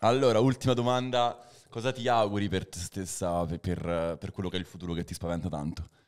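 In a very clean recording with a silent background, a man speaks at a fairly quick pace. He has an unremarkable speaking voice with a fairly low pitch and ordinary pitch variation. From Marche, central Italy. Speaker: radio host. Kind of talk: casual interview chat. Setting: studio.

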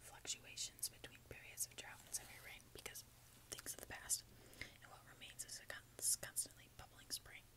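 Whispering from a woman, moderately paced. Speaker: ASMR creator. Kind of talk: ASMR audiobook-style reading. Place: home room. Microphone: earbuds.

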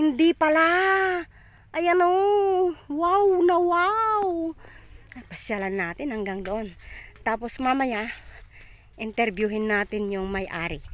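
A woman talks at a very slow pace, leaving long, frequent pauses. Her high voice makes very wide pitch swings. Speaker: vlogger. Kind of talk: vlog walkthrough. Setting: outdoors. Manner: animated.

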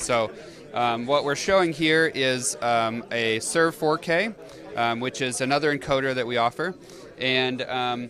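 A man with ordinary pitch variation, dry with no echo, over light background noise. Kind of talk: interview answer. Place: hall. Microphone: handheld.

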